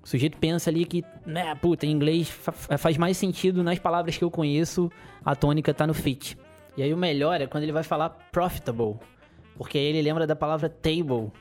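A man's voice: on the high side, fairly even intonation, a little fast, a little mellow, faint music behind. A man, hosting a casual solo podcast in a rambling, chuckling, playfully griping way. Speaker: podcast host.

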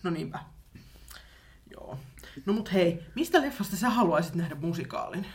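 Woman co-host, relaxed agreeable chatter. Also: lowish voice. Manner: easygoing, agreeable, filler-heavy. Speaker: podcast co-host. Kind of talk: casual chat.

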